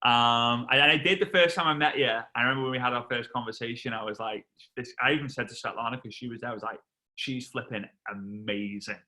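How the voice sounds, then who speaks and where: A man from England in his thirties, a network marketing trainer telling a lively story on a video call and acting out the voices. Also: medium pitch, brisk. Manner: animated storyteller, acts out voices and shouts.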